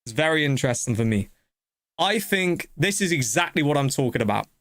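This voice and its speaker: A male streamer reacting live, excited and rambling with many restarts. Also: fairly high pitch, brisk, no room sound, studio quality.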